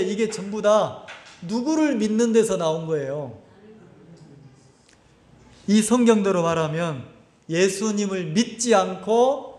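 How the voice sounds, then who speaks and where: A male pastor preaching a sermon at a church camp, constantly asking the congregation questions. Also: high voice. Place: church summer camp service. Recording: echoey hall.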